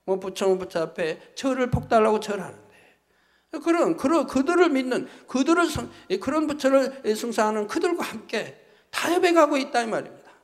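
A pastor delivering a sermon, his voice pitched high for a man. He preaches emphatically, hammering each point home with repeated tag phrases. The sound rings with the long reverb of a church sanctuary. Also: very animated, brisk.

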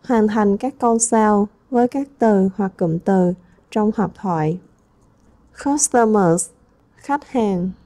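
A woman's voice: medium pitch, takes it slowly, mellow. A woman English teacher going through a textbook review, reading each word aloud and then translating it. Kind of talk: textbook lesson walkthrough.

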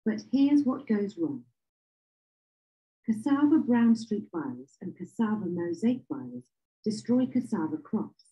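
A woman reads a scripted voice-over for an explainer animation. She explains each point clearly. The sound is somewhat muffled and lo-fi. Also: fairly high pitch, expressive, a little slow, dark tone. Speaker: narrator. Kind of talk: scripted narration.

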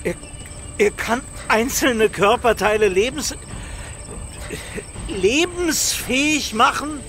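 A male actor playing a jittery, skeptical friend in a German horror radio drama, speaking haltingly and repeating phrases. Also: very high voice, bright, forceful tone, a little hiss or hum, exaggerated voice. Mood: shaken, horrified. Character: jittery, skeptical male film-business friend of a demon hunter.

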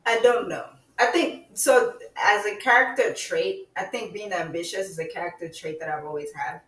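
A young woman in her twenties, from Nigeria, talking as a guest in an interview in a reflective, relaxed way. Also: mid-range voice, normal speed. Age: 20s. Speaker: guest, digital designer. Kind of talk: interview conversation. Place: room at home. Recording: roomy, distant mic with faint noise.

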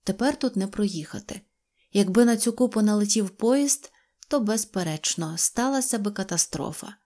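A woman reading an audio fairy tale in an expressive storytelling manner. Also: mid-range voice, normal speed. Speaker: narrator.

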